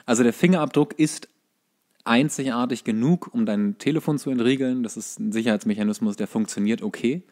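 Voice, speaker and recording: A man's voice: medium pitch, fairly quick, darkish tone. A man co-hosting a casual podcast, bantering and ranting in a sarcastic, sweary way. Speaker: podcast co-host.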